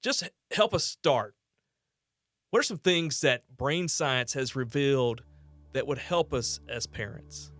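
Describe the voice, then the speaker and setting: A man's voice: mid-range voice, unhurried, fairly bright tone, dry recording, faint music behind. A man in his forties hosting a faith and parenting podcast, asking his guest questions in an earnest, conversational way. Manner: earnest, conversational, with brief laughs. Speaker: podcast host. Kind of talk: podcast interview.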